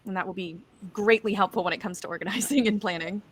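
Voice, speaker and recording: A woman's voice: medium pitch, quick pace, slightly rough. A woman speaking casually as a writer on a panel, sharing advice from experience. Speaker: playwright and panelist.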